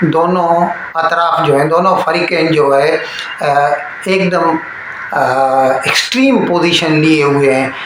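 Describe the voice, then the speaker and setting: A man's voice: on the high side, slow. A man with a South Asian accent giving news commentary, explaining conversationally to viewers and mixing in English terms. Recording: very echoey room, faint background noise.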